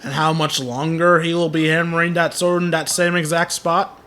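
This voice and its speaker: A man's voice: fairly high pitch, little pitch movement, normal speed, pushed and bright. A man giving casual, joking live-stream commentary on a game, chatting to his viewers.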